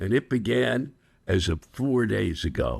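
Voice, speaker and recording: On a very clean recording with a silent background, a man speaks in a bright, sharp tone with vocal fry. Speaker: comedian. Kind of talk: reading a speech aloud.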